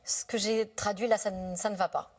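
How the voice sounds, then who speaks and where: A woman hosting a TV interview, asking lively questions and often laughing. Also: medium pitch, moderate pace. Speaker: TV show host, interviewer.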